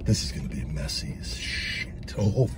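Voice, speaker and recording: With an extremely low voice that swings widely in pitch at a normal speed, a middle-aged man does a rambling food-review vlog inside his parked truck. He swears heavily and mocks himself crudely, and the recording is very noisy.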